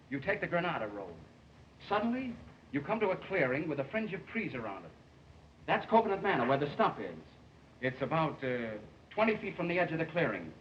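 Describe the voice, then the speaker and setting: A scheming jewel thief in a 1920s talkie, with stagey, theatrical delivery. His raised voice swings widely in pitch, caught from a distance on a muffled, hissy film soundtrack. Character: scheming male jewel thief, smooth and instructing.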